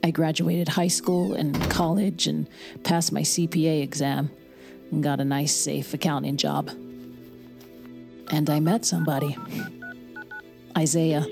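An actress playing a grieving young married woman who narrates her story quietly in an audio drama. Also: sits low, gravelly, full character voice. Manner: quiet, somber, reflective. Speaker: narrator and lead character.

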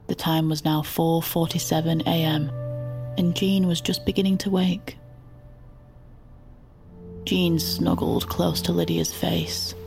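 A woman giving quiet, scripted narration, hushed and even. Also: low-pitched, gravelly. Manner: hushed, slow, even, close to whispering.

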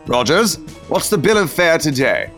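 An actor playing an idle, pampered young upper-class twit in a comedic radio play, affected and exclamatory. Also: male voice, a little high, big pitch swings, moderate pace, a bit bright, faint music behind. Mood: petulant.

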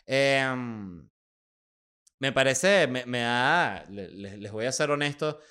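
A young Venezuelan man hosts a podcast in a relaxed, conversational way, slipping in sarcastic jokes and quick asides. His voice is smooth and resonant, pitched in the middle for a man. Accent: Venezuelan Spanish. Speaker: podcast host. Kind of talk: casual commentary.

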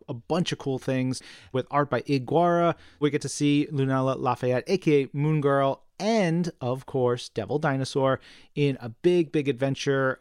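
A man co-hosting a chat show about comics, excitable and full of slang. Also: medium pitch, clear, resonant tone, no echo, studio quality. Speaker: co-host. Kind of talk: casual chat.

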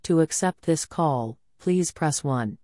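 A woman's automated prison phone call announcement in a flat recorded manner, heard over a distant phone line. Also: sits low, slow pace, noisy background. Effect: automated prison phone call message.

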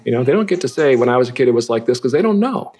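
Very animated and very fast, a middle-aged man from California speaks at medium pitch with a warm tone. He's a guest artist in a casual interview, musing reflectively and self-deprecatingly while restarting often and leaning on fillers.

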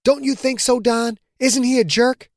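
A man's voice: very high voice, steady tone, moderate pace, darkish tone, no echo, pitched above the performer's own voice. A man voicing a young professional athlete who sounds eager and a little defensive. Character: young, brash male pro athlete.

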